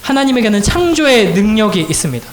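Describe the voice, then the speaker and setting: A man with a high voice preaches to teenagers in a church hall, and the sound carries an echo. He tells a story in a conversational way, then builds into fervent preaching. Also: big pitch swings, fast talker. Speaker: youth pastor. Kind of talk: sermon to high school students.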